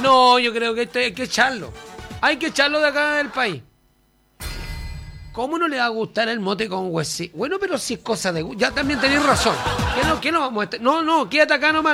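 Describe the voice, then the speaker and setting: A man's voice: very high voice, moderate pace, vocal fry, music in the background. A man with a Chilean accent hosting a casual call-in radio show, chatting and laughing with callers. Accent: Chilean Spanish. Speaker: radio host.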